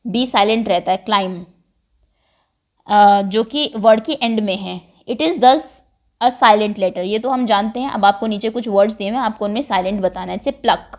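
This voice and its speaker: A woman's voice: mid-range voice, moderate pace, a little mellow. A woman teaching an English worksheet, switching between Hindi and English phrases and explaining patiently.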